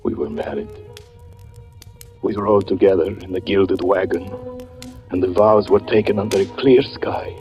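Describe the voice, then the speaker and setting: Brooding low-voiced male radio narrator. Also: a little slow, pauses often. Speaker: narrator and fortune teller. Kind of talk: 1940s radio acting. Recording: dull old radio broadcast with music.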